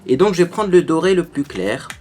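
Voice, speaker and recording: A man's voice: fairly high pitch, big pitch swings, brisk, darkish tone, soft background music. A man hosting a makeup tutorial, chatting to viewers as he explains each step. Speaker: beauty tutorial host. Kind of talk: casual makeup tutorial talk.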